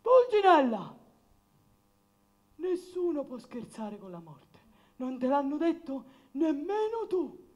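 A performer voicing Death as a bossy, exasperated skeleton puppet, scolding and commanding in a squeaky, shrill voice. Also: lively intonation, a little slow, mellow. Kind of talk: Italian puppet theatre slapstick.

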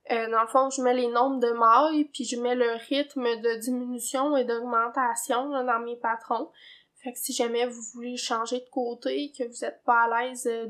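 Québécoise woman host, high-pitched, chatty, filler-heavy, casual knitting vlog. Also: a bit bright. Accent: Québécois French. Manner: chatty, many fillers and hedging tags. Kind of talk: casual chat. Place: home, indoors.

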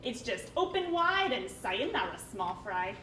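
A woman's voice: fairly high pitch, very animated, unhurried, sharp tone, a little hiss or hum, voice pushed down, full character voice. A woman playing a sarcastic grumpy anglerfish. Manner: gruff, sarcastic. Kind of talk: live puppet show. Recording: echoey hall from far off.

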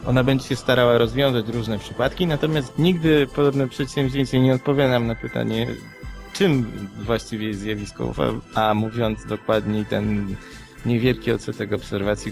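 A man co-hosting a podcast, giving measured, analytical commentary in an explanatory conversational style. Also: medium pitch, gravelly, a little mellow.

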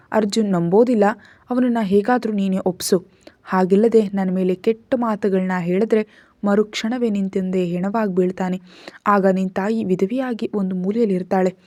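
A cold, controlling father lays down orders and threats in a mellow, low-key voice, as a woman narrator reads him. He scolds in a commanding, clipped way, with a hard edge under the calm. It is spoken storybook narration. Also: dry recording, natural voice. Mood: threatening.

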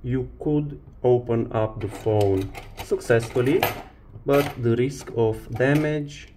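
A man presenting a hands-on repair tutorial, explaining step by step in short, halting phrases. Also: medium pitch, background noise. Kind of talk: hands-on instructional demonstration.

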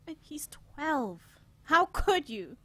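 A woman's voice: sits high, big pitch swings, slow pace, bright, forceful tone, no echo, full character voice. A woman playing a troubled, protective young elder sister in an audio drama, earnest, hesitant but determined. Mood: accusing.

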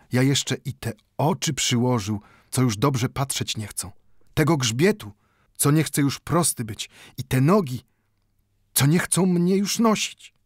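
A man's voice: medium pitch, dry recording, clean studio sound, pitched above the performer's own voice. A man voicing an old Jewish bookbinder in an audiobook, speaking broken Polish full of "nu" and growing heated as he pleads. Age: older.

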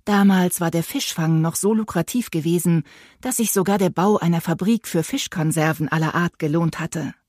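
Female audiobook narrator: steady storytelling, slightly low and husky. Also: normal speed, no echo, clean studio sound.

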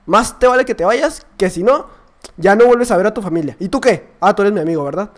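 Young man, excitable, high voice. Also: a little fast. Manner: excitable, yells at sudden deaths then drops to mutters. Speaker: gaming youtuber. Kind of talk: gameplay commentary.

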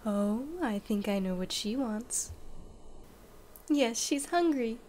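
An actress playing a kindly, reassuring pony nurse in a fan radio drama. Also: female voice, a little high, takes it slowly, noisy background. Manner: gentle, reassuring.

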